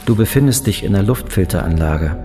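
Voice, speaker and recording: A man acting as a spaceship's computer in a sci-fi audio drama. The voice is fairly low, calm and dispassionate. It reports in measured, formal, matter-of-fact sentences, with music clearly behind it. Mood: calm, factual. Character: calm, dispassionate male ship computer, factual and polite.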